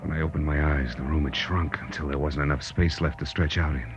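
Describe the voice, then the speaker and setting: An actor playing a wry, world-weary private detective, narrating and talking in a terse, deadpan 1940s radio noir style. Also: male voice, a bass voice, fast, over music. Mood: wry, tense narration. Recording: noisy, muffled vintage radio recording.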